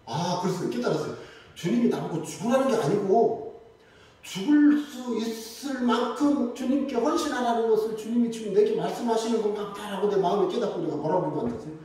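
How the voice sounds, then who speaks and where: A man preaching a Sunday sermon in lively storytelling style, acting out the voices of the people in his stories. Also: high voice, fairly quick. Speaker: pastor. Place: church sanctuary. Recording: echoey church hall, mic from a distance.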